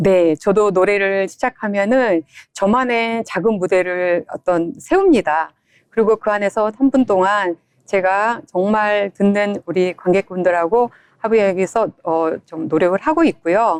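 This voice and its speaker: A woman with an ordinary speaking voice, medium pitch and ordinary pitch variation, at a fairly slow pace in a dry, close sound with no echo. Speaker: singer and actor. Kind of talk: interview.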